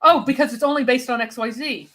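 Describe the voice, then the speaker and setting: A woman's voice: high voice, pushed and bright. A woman co-hosting a commentary chat, speaking in an emphatic, argumentative way. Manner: emphatic, quick to argue. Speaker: co-host.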